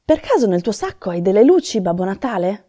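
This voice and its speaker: A woman voicing an eager, cheerful male Christmas elf helper in a storybook reading, lively and excited. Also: medium pitch, a little fast, no room sound.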